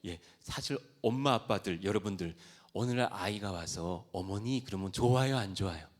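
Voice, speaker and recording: A middle-aged male pastor preaching at a youth revival, telling stories and moving from soft asides to loud exhortation. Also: low-pitched, moderate pace.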